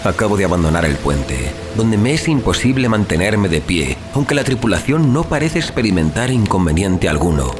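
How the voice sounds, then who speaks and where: A man narrating a horror audiobook in a measured, solemn, theatrical manner, as a dramatic scripted reading. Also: lowish voice, big pitch swings. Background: music.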